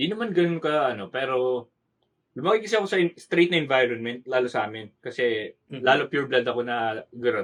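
A man speaks in a normal speaking voice at medium pitch, moving at a fairly quick pace with lively intonation. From Philippines, Baguio (Igorot). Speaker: BPO employee, Instagram model. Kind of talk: casual interview.

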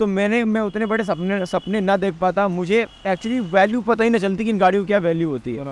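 A man speaks in a high pitch with ordinary variation, at a moderate pace. The sound is dry, with no echo. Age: 20s. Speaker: YouTuber and fantasy cricket player; YouTuber. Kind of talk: casual interview. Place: street.

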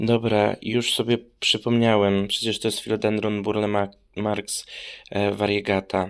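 Speaking at a fairly slow pace with monotone, flat intonation, a man is heard on a very clean recording with a silent background. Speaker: plant vlogger. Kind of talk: casual vlog. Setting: at home, filming indoors.

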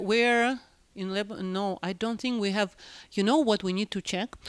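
A woman at a moderate pace, with fairly even intonation and a dry sound with no echo. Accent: Russian. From Russia. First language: Russian. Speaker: museum board chair. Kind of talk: interview. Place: hall. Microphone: handheld.

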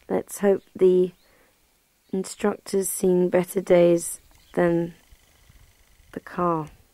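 A woman's dark, mellow voice with a British accent, fairly low in pitch, very slow with long, frequent pauses and monotone, flat intonation, dry and close with no echo. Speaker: vlogger. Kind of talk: mock tour-guide commentary, deadpan spoof narration. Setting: outdoors, walking around a village. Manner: playful mock-formal guide tone.

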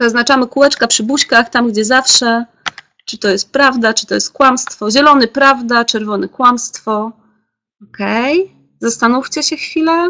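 Fairly slow speech from a woman, high in pitch, with big swings in loudness and ordinary pitch variation. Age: 20s. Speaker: journalist. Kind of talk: webinar lecture. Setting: video call from home. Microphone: webcam.

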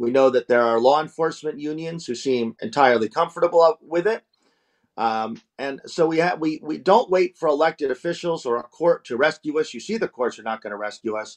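With lively intonation, a man moves at a fairly quick pace against a quiet background. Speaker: radio guest. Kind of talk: interview answer. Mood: earnest, urgent political argument. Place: home room. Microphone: video call.

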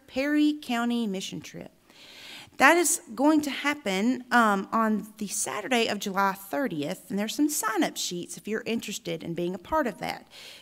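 A woman with a high pitch speaks at a moderate pace against a quiet background. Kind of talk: announcements to congregation. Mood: friendly, lightly humorous. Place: church. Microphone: podium.

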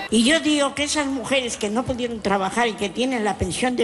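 Faint music plays behind a woman speaking at a moderate pace. Her voice is fairly high, with ordinary pitch variation. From Spain. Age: 80s+. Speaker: audience member. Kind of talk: audience member speaking on a TV talk show. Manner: outspoken, indignant. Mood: earnest, indignant. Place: stage. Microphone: handheld.

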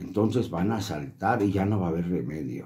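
A man's vocal fry at a fairly slow pace. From Mexico. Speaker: political commentator. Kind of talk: political commentary monologue. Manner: emphatic, indignant. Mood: critical, indignant. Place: home room. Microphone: webcam.

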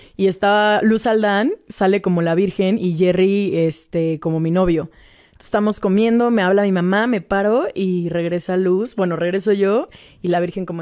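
Over a quiet background, a woman's dark, mellow voice moves at a moderate pace with fairly even intonation. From Mexico, Acapulco. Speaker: actress and comedian. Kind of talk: casual chat. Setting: studio. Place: studio. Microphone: studio mic.

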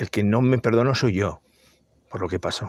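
With a very clean recording and a silent background, a man's fairly low voice shows ordinary pitch variation. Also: dry, close sound with no echo. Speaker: YouTube show host. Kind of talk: monologue to viewers. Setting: in a parked car. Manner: halting.

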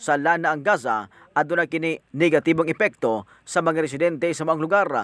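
A man's normal speaking voice, fairly high in pitch, at a moderate pace with fairly even intonation, in a dry, close sound with no echo. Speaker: radio newsreader. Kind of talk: radio newsreading. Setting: radio studio. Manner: formal.

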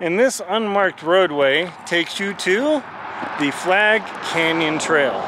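At a fairly slow pace, a man talks in a high pitch, the sound dry with no echo and noticeable background noise present. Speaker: hiking guide author. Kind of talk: casual vlog chat. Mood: cheerful, relaxed. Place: forest. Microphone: phone near.

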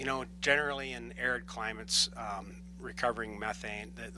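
Bright, sharp male voice with very wide pitch swings, a fairly quick pace and audible room echo. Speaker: environmental consultant. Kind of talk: technical presentation. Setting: city council meeting. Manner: halting; soft-spoken. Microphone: too quiet for TV audience.

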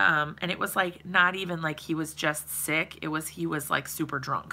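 A woman's fairly low voice with a bright, sharp tone and vocal fry, at a fairly slow pace. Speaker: craft channel host. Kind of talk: casual live-stream chat. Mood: amused, storytelling. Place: home room. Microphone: webcam.

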